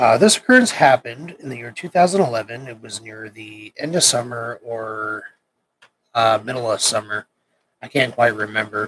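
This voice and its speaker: A man at medium pitch and a moderate pace. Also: ordinary pitch variation. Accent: American. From Nebraska. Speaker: podcast host, Marine veteran. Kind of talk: storytelling livestream. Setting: live stream on laptop. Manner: hesitant, many fillers.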